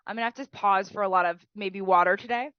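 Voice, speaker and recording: A woman's voice: medium pitch, fast talker, no echo, lo-fi sound. A woman teacher who is sick and sounds nasal, giving chatty writing feedback and often tagging "right?" onto her sentences.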